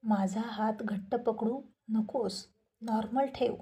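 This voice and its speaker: A woman's voice: on the high side, steady tone, slow, dark tone. A woman voicing a handsome, gym-going young man who teases and lectures his wife in a story reading.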